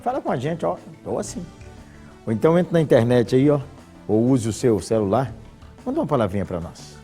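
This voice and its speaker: A man's voice: medium pitch, big pitch swings, fairly quick, dark tone, faint music behind. A man preaching a devotional TV sermon, emphatic and repetitive, with phrases driven home one after another. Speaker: pastor.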